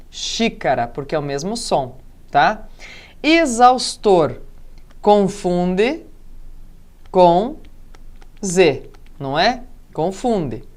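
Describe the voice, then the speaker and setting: Slow-talking Brazilian woman teacher. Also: lowish voice, a little mellow. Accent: Brazilian Portuguese. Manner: explanatory, frequent tag questions; drawn-out emphasis on example words. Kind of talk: video lesson.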